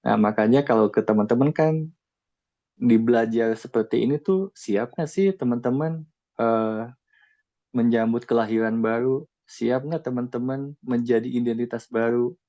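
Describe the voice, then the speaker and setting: A man's voice: mid-range voice, normal speed, mellow, highs cut off. A man giving a casual spiritual talk to a group, conversational and full of rhetorical questions. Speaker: spiritual teacher.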